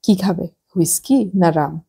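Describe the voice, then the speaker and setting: Woman doing chill businessman husband in an audiobook, calm coaxing, low husky voice. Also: unhurried, exaggerated voice. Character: man in his thirties, easygoing businessman husband.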